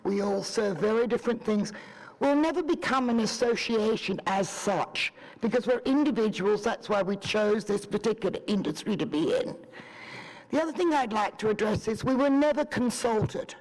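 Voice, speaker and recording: High-voiced Australian woman testifying in a chamber. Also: expressive, moderate pace, a little mellow. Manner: earnest, persuasive, lists points one by one. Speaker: bed and breakfast owner giving testimony. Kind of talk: prepared public deputation. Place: city council committee chamber. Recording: reverberant council chamber.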